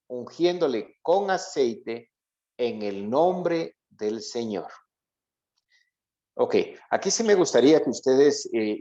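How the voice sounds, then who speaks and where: A man's voice: medium pitch, mellow. A man giving an interactive Bible lesson to a congregation, explaining didactically and often checking understanding with short questions. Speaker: church Bible teacher. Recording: dull, lo-fi, muffled audio.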